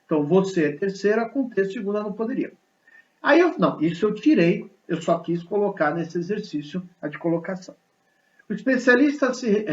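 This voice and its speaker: A male teacher gives a grammar lesson in a lively, explanatory way and often checks in with rhetorical questions. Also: sits high. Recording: slightly dull lo-fi recording.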